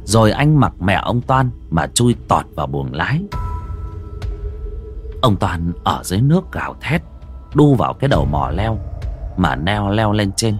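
A man narrating a folk ghost story in a dramatic, expressive way. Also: lowish voice, a little slow, pauses often, soft background music.

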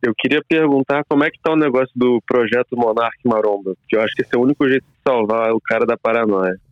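A man's voice: mid-range voice, fast talker, no room sound. A man calling into a talk show over a phone line, talking in a jokey, playful way. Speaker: call-in listener. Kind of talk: casual call-in chat. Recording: muffled dry phone line.

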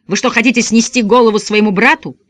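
A narrator voicing a gruff backwoods outlaw father who bellows coarse threats. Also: medium pitch, fairly even intonation, fast talker, a bit bright, no echo, voice pushed up, natural voice. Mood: bellowing.

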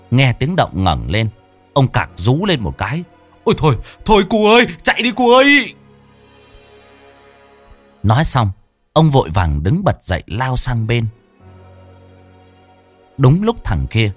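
A man telling a folk ghost story in a dramatic, swooping way. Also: mid-range voice.

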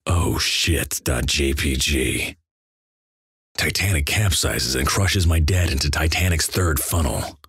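A man reading internet stories aloud in a deadpan, flat manner. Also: a bass voice, takes it slowly, husky, dry recording, studio quality. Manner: deadpan, flat delivery of crude jokes.

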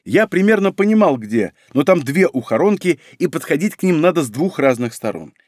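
A man's voice: fairly high pitch, big pitch swings, a little fast, darkish tone, dry recording, studio quality. A man narrating a first-person audiobook in a wry, conversational way.

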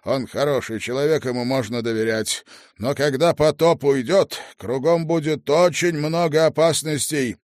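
Male reader doing a loud, clipped, commanding lord, dry close sound. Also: medium pitch, moderate pace, no room sound, pitched above the performer's own voice, lightly acted. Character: stern commanding nobleman, older man.

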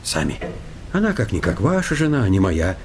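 Fussy, bookish hypnotist, very expressive. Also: male voice, lowish voice, a little fast, slight background noise. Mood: nervous, evasive. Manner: polite, bookish, nervously hesitant. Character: timid, fussy, bespectacled educated male hypnotist. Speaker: actor in a comedy audio play. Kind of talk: radio comedy acting.

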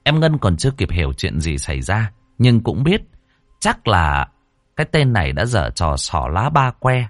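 A man's voice: lowish voice, big pitch swings, moderate pace, no echo, studio quality. A man narrating a ghost story in a dramatic, suspenseful way. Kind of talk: audiobook narration.

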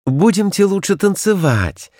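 A man's voice: high-pitched, very animated, a little slow, a little mellow, dry recording, clean studio sound, pitched above the performer's own voice, exaggerated voice. A man voicing a prim female toy doll who bosses the others in a storybook reading. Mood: bossy.

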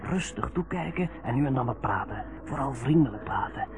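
An actor playing a chatty, reassuring young ship's doctor in a Dutch radio play. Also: male voice, medium pitch, expressive, fairly quick, natural voice. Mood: brisk, urgent. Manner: chatty, reassuring, repeats himself. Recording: noisy narrowband old radio recording.

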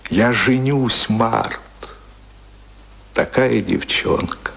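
An actor in a radio play playing an easygoing working man, talking informally in a drawl with a husky, creaky voice. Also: medium pitch, very slow, a bit bright, exaggerated voice. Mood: happy, teasing. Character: Jim, easygoing working man about to marry.

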